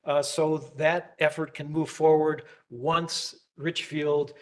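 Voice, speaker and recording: A man who is losing his voice gives a staff presentation at a public planning meeting, halting and full of ums and uhs. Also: on the high side, flat delivery. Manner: halting, filler-heavy, with many ums and uhs.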